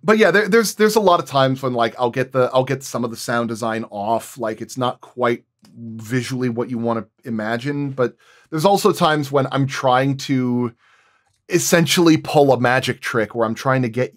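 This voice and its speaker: A man talking casually as a sound designer on a roundtable, explaining things through animated anecdotes and acting out quoted remarks. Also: mid-range voice, normal speed. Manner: animated storytelling, acts out quoted dialogue.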